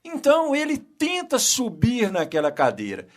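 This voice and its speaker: A male radio host, telling an animated story in casual chat. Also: very high-pitched, normal speed. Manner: animated storyteller, acts out scenes. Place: radio studio.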